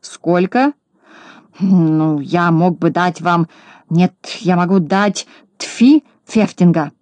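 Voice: medium pitch, slow, a little mellow, dry recording, natural voice. A reader voicing a miserly rich little male who grumbles, haggles and says F in place of R, in a dry audiobook recording. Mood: grumbling. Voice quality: lisp, says F instead of R. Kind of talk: audiobook narration.

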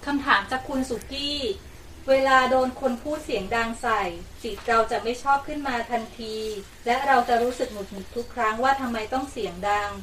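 A woman's voice: on the high side, fairly quick, fairly bright tone. A woman politely reading out questions sent in by listeners. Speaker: reader of submitted questions. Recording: distant mic with faint noise.

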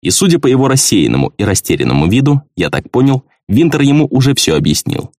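Expressive male audiobook narrator. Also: medium pitch, fast talker, dry recording, clean studio sound. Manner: expressive, conversational. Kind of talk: first-person fantasy audiobook narration.

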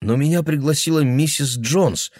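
A man's voice: fairly high pitch, moderate pace, darkish tone, no echo, clean studio sound, pitched above the performer's own voice, lightly acted. A man voicing a frightened young woman who pleads with an old man. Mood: nervous.

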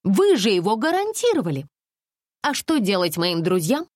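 A woman voicing a flighty, demanding woman of thirty, Alice, with a shrill, petulant manner. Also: big pitch swings, moderate pace, a little mellow, dry recording, clean studio sound. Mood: indignant.

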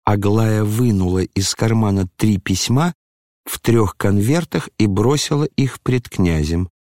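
A man narrating a classic novel as an audiobook in a measured, even reading. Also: fairly low pitch, dry recording, studio quality. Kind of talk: scripted narration.

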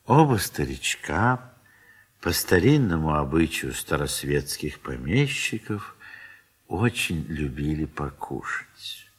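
A man narrating a classic literary story for an audio play, in an expressive, measured theatrical delivery that lingers on words. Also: rumbling low, breathy edge.

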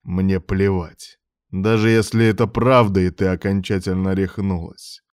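A cold, vengeful man, voiced by the male narrator speaks in a very low, deep voice with clipped, contemptuous menace. His bitterness stays hard and controlled in this audiobook. The recording is dry and close. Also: flat delivery, measured pace, darkish tone, smooth, no room sound. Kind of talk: audiobook character voice.

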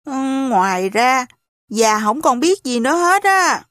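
A woman voicing an old, hard-of-hearing landlady who is gossipy and fretful, in a slow, lowered, grumbling old-woman voice for an audiobook. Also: sing-song, fairly bright tone, no echo, studio quality. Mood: helpless. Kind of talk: audiobook character voice.

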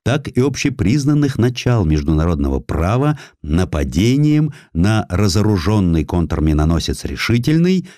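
A man narrating a historical tale in an expressive, measured way, with weighty pauses. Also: low voice, dry recording, clean studio sound. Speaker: audiobook narrator.

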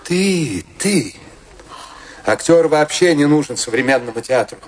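An actor playing an arrogant, self-absorbed artist in a radio play, pompous, scornful and declamatory. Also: male voice, on the high side, expressive, measured pace. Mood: grandiose. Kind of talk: dramatic radio play acting.

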